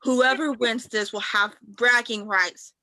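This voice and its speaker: A woman's voice: on the high side, steady tone, slow pace, sharp tone, no echo, rough recording. A woman playing a cocky young male wrestler, a vengeful braggart, in an amateur staged reading of wrestling promos. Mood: menacing, boastful.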